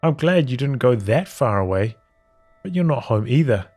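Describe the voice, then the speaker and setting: A man reading journal entries from a visual novel aloud as storytelling, in measured, halting phrases with pauses. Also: medium pitch, expressive, darkish tone, husky.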